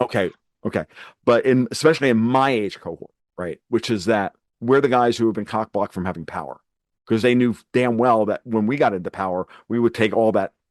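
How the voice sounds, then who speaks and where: A man speaks in an ordinary speaking voice at medium pitch with ordinary pitch variation, recorded dry and close with no echo against a quiet background. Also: fairly quick pace. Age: 50s. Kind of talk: casual chat.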